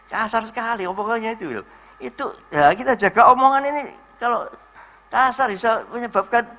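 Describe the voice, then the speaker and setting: A man's voice: high-pitched, bright, forceful tone, slight background noise. A middle-aged man, preaching a sermon as the pastor in a folksy, chatty way full of anecdotes.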